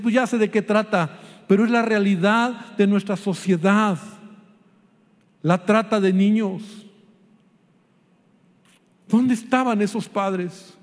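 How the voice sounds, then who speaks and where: Male pastor, urgent preaching, high voice, big reverberant church hall. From Mexico. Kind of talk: sermon.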